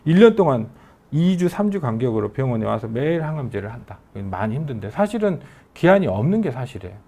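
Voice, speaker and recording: A man's voice: mid-range voice, quick pace. A middle-aged man, an oncology professor with a regional Korean dialect, giving a conversational medical lecture. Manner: animated, conversational lecturing that acts out patients' questions.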